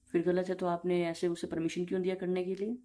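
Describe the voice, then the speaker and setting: A man's voice: sits high, completely flat delivery, a little fast, warm tone. A young man in an intimate relationship argument, speaking in a reproachful, insistent and repetitive way. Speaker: boyfriend in a relationship call.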